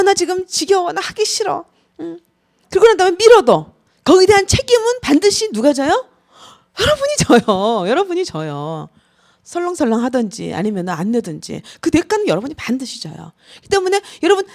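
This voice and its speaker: A woman in her forties, a pastor's wife, giving a lively lecture at a student retreat and acting out little quoted scenes as she tells stories. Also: high voice. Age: 40s. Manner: lively storytelling, acts out quotes.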